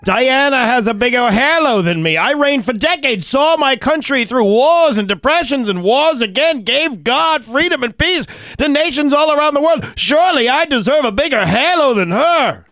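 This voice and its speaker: A man on a radio morning show telling a joke and voicing its characters in a raised, theatrical pitch. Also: lively intonation, normal speed, few pauses, fairly bright tone, no room sound. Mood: mock indignant. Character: Saint Peter and old Queen, joke voices. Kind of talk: telling a joke with put-on voices.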